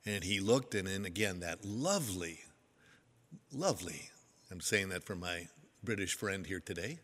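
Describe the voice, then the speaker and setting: A man's voice: low-pitched, fairly even intonation, moderate pace, bright, forceful tone, in a large hall. An older man giving a sermon to a congregation, telling stories in a folksy, self-deprecating way. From United States. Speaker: pastor.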